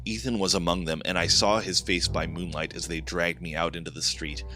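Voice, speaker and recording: A man's voice: deep voice, steady tone, fairly quick, sharp tone, faint music behind. A man reading a scripted horror story as a dramatic first-person narrator.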